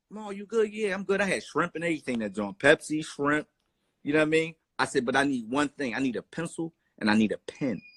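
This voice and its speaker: Animated in tone and fairly high in pitch, a man races at a very fast pace with very wide pitch swings, the sound dry and close with no echo. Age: 30s. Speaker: business owner. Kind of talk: casual chat.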